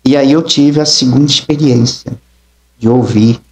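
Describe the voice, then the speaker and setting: In an interview, a middle-aged man who is an apostle and preacher recounts his testimony with emphasis, acting out the dialogue. He speaks at a moderate pace in a mid-range voice, with a little hiss or hum on the recording.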